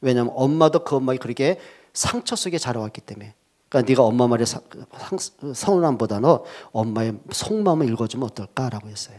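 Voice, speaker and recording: A male pastor preaching a sermon, telling stories in an animated way with joking asides. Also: mid-range voice, fast talker.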